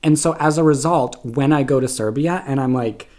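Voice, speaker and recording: A man's voice: mid-range voice, moderate pace, a little mellow. A young man from Canada telling stories in casual podcast chat, peppering his speech with "like". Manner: chatty storyteller, constant "like". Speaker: podcast guest.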